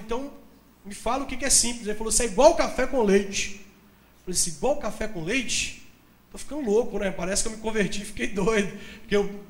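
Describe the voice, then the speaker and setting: A pastor from Brazil preaching in church, telling a personal story with animated delivery and acting out the dialogue. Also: male voice, very high voice. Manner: animated storytelling, acts out dialogue, laughs at own jokes. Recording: echoey church hall.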